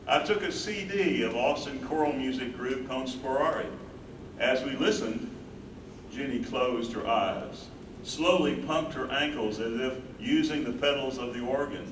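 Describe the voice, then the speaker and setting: A man's voice: medium pitch, close to an everyday voice. A man in a staged reading, playing a tender, devoted elderly husband of a wife with Alzheimer's. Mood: reflective. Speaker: stage reader. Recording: echoey room, far from mic, background noise.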